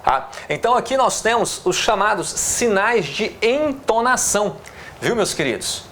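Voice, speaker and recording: A man's voice: high-pitched, animated, fairly bright tone, slight background noise. Brazilian man teaching at the board. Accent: Brazilian Portuguese. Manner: explains step by step, many "tá?" and "né?" check-ins, drawn-out words at the board. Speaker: Portuguese teacher. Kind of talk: classroom lecture on punctuation.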